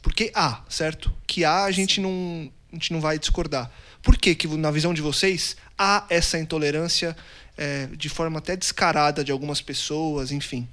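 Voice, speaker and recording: A man's voice: fairly high pitch, steady tone, fairly bright tone. Upbeat male podcast host. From São Paulo, Brazil. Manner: friendly, teasing introductions, fast bursts.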